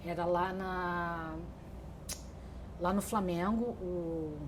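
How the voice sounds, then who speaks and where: A woman's voice: lowish voice, steady tone, very slow, noisy background. A middle-aged woman, telling her life story in an oral history interview, thoughtful and full of restarts. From Brazil. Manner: reflective, with frequent restarts and fillers.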